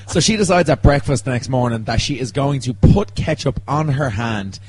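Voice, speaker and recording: A man's voice: medium pitch, lively intonation, normal speed, darkish tone. Wry man over noisy hum. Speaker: podcast panellist. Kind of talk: casual comic storytelling.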